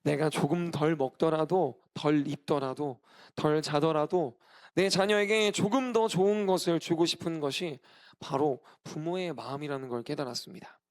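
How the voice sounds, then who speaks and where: A man's voice: fairly high pitch, moderate pace. A male pastor in his thirties giving a sermon, earnest and emphatic, repeating key phrases. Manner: earnest preaching with emphatic repetition.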